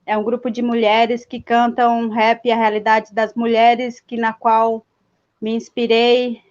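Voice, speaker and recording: A young woman rapper from Mato Grosso do Sul, whose first language is Guarani, speaks seated in a live stream. She talks slowly and hesitantly, with many fillers. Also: on the high side, completely flat delivery, a little mellow. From Mato Grosso do Sul, Brazil. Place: indoors, seated. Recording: dull lo-fi sound.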